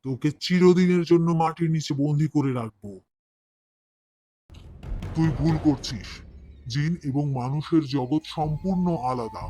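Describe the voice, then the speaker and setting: A man's voice: on the high side, measured pace, pauses often, mellow, slight background noise, close to an everyday voice. A man playing a stern, pious madrasa cleric in a cartoon, admonishing and solemn. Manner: admonishing, with chanted prayer. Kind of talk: scripted cartoon acting.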